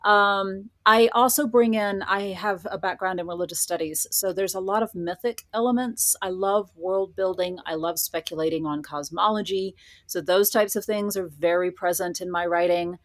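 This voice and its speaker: A woman's voice: medium pitch, fairly even intonation, moderate pace, fairly bright tone, no echo. A woman speaking as a guest in a casual interview, reflective and articulate in an informal way. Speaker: guest, horror fiction writer.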